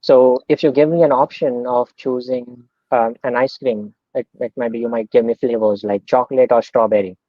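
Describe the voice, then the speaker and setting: Over dull lo-fi video call audio with no room sound, a young Indian guest speaker talks casually at a moderate pace. His mid-range voice stays relaxed, scattered with "um"s, as he explains things through everyday examples.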